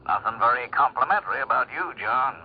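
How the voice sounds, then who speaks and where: A man's voice: medium pitch, expressive, a little fast, natural voice. A man playing a hesitant, polite associate calling by phone in a radio drama. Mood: worried. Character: hesitant, worried male associate phoning with bad news. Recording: muffled, noisy old radio phone call.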